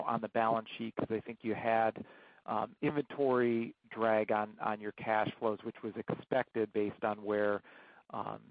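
A man working as a financial analyst, asking questions haltingly on an earnings call over the phone. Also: fairly low pitch, no echo. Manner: halting, hedging, piecing questions together. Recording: thin, band-limited phone line, dry.

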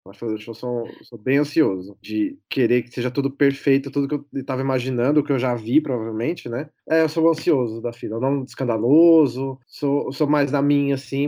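A man's voice: medium pitch, warm tone. A man, chatting as a podcast guest and laughing often. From São Paulo, Brazil. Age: 30s. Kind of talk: casual chat.

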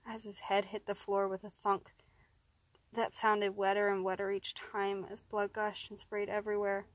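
A woman narrating a first-person horror story, steady and even, rising in tense moments. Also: mid-range voice, moderate pace, no room sound.

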